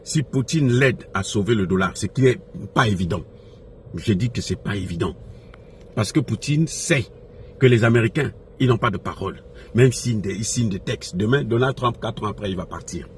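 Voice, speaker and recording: An African man with a lowish voice and lively intonation offers heated, improvised political commentary at normal speed. He hammers home repeated phrases and asks his followers rhetorical questions, captured in a noisy recording with ambient background sound.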